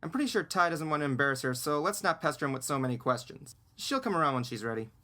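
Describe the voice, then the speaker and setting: A man's voice: fairly high pitch, lively intonation, quick pace, pushed and bright. A man playing a casual, supportive young classmate in an amateur audio story. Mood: easygoing.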